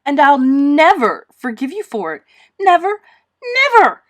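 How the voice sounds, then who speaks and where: A woman reading as a passionate young orphan girl, storybook character, high-pitched, loud, indignant, emphatic. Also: big pitch swings, a little slow. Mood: furious, indignant. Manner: emphatic, exclamatory, shouting outbursts. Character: furious, passionate eleven-year-old orphan girl, indignant and wounded.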